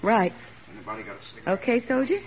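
An eager young army nurse. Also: female voice, a little high, big pitch swings, takes it slowly, crowd noise. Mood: brisk. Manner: earnest, eager, soft. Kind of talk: 1940s radio acting. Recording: dull old radio recording.

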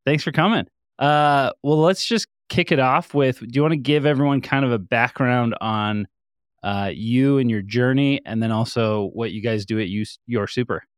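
A man hosts a casual interview show and asks upbeat, friendly questions with easy fillers. His pitch is middling. The recording is dry and close. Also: normal speed, clean tone, dry recording. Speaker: show host.

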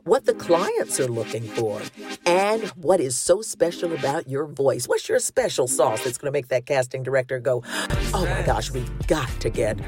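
A woman talk show host with a Southern US accent, a loud voice and a big laugh, talking in a lively, folksy way. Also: a bass voice, moderate pace, music in the background. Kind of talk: casual chat and promo.

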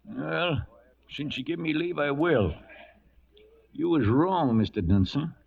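An actor playing a folksy old trail hand, narrating a cattle drive in a drawling 1940s radio western style. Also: male voice, fairly high pitch, expressive, takes it slowly, vocal fry, heavily acted. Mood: reproachful. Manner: drawling, folksy cowboy talk. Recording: muffled old radio, loud music behind.

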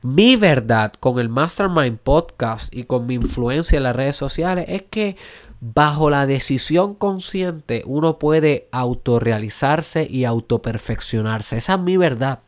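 A man's voice: mid-range voice, expressive, a little slow. A man from Puerto Rico with a Puerto Rican accent, hosting a motivational podcast monologue in an emphatic style, building to urgent questions and dropping English words into his Spanish. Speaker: podcast host.

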